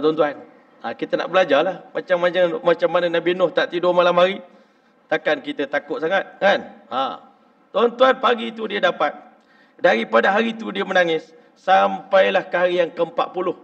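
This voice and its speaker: Malaysian Malay male preacher, slightly high voice, storytelling sermon, dull lo-fi sound. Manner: addresses audience repeatedly, acts out dialogue, rising emphatic peaks. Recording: dull lo-fi recording.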